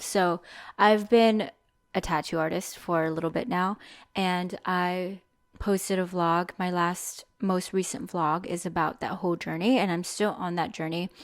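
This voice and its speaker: Alone on her podcast, a young woman with a lowish voice speaks candidly, musing aloud about lessons she's learned. The recording is dry and clean, studio quality.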